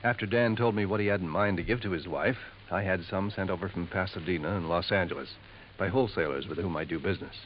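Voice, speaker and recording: A man voices a smooth jeweler in a 1950s radio mystery, lowering his voice to share gossip. His tone is confiding and insinuating, set a bit low. The old broadcast is dull with a faint hiss. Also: quick pace, lightly acted. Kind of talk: 1950s radio drama acting.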